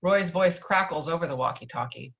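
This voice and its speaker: A woman's voice: sits low, brisk, vocal fry, a bit bright. A woman reading screenplay stage directions as scripted narration, heard through slightly dull online audio.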